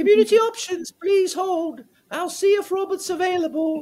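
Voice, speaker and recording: With a British accent as part of the act, a put-on character voice squeaks at an extremely high pitch and a moderate pace. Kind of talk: polite, professional.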